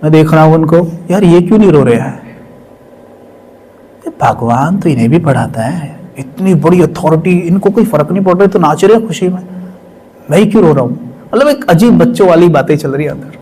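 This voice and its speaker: A male spiritual speaker telling a personal testimony with emotion, sometimes dropping to a hush. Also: a little high, expressive, a little fast, breathy edge, rough recording. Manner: emotional, drops to hushed tones for quoted voices.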